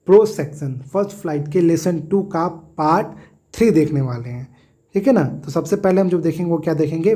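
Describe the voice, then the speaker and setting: Man, teacher, lesson explanation, fairly high pitch, repeats himself, self-corrects. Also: mellow. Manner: repeats tag questions, self-corrects, explains with everyday examples.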